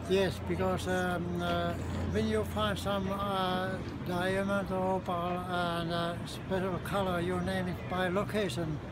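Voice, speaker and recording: Speaking at a very slow pace, a man has a strong Finnish accent. Loud background noise runs throughout. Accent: thick Finnish. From Finland. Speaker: gemstone vendor. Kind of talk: interview answer. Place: market. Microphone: phone near.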